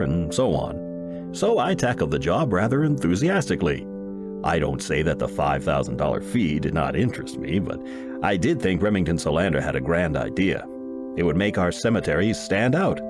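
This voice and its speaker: A man reading a first-person short story aloud as an audiobook narrator, in an expressive, folksy storytelling manner. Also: low voice.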